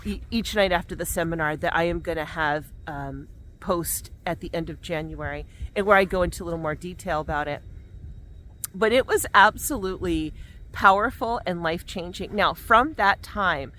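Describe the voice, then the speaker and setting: A vlogger with a lowish, fairly bright voice chats casually as she walks outside in cold, windy weather, her lips numb from the chill. She muses on self-help ideas and keeps restarting her sentences.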